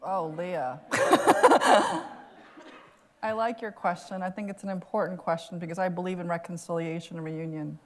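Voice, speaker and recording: A woman's voice: lowish voice, fairly even intonation, moderate pace, long pauses. A woman author answering an audience question at a lecture, earnest and reflective, laughing now and then. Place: lecture hall.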